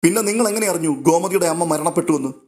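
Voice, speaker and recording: A man's voice: on the high side, racing, darkish tone, pitched above the performer's own voice, lightly acted. A man voicing a stern middle-aged husband who questions sharply. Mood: angry.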